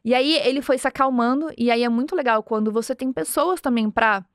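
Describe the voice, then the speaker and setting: A high-pitched woman from Brazil in her thirties tells a personal story as a podcast host. She speaks earnestly and with animation, slipping into the voices of the people in her story. The sound is dry and close, with no room echo. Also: brisk. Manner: earnest, animated, acts out dialogue. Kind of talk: motivational storytelling.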